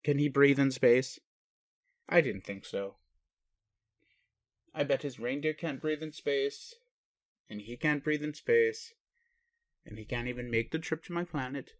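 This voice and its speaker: A man playing a gentle, puzzled alien daddy in an intimate roleplay audio, indulgent and bemused, with questioning hesitations. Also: mid-range voice, a little slow, long pauses, dry recording, close to an everyday voice. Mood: incredulous, musing. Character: gentle, puzzled alien daddy, adult male spaceship commander. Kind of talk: intimate roleplay audio, speaking to one listener.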